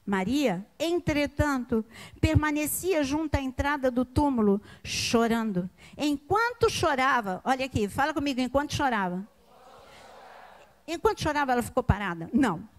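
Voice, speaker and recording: A Brazilian woman with a high voice preaches a fervent sermon. She builds intensity by repeating lines, dropping low and quiet before climbing back up. Her delivery stays passionate and pleading throughout. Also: expressive, moderate pace. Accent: Brazilian Portuguese. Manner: impassioned, swings from hushed to near-shouting; repeats phrases for emphasis.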